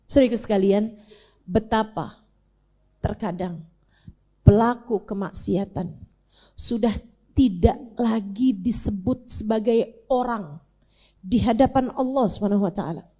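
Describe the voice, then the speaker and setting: A woman preacher telling a story in a sermon, talking casually and directly to her audience, swinging between soft and emphatic. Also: mid-range voice, unhurried, long pauses. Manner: colloquial, addresses audience directly. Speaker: Islamic preacher.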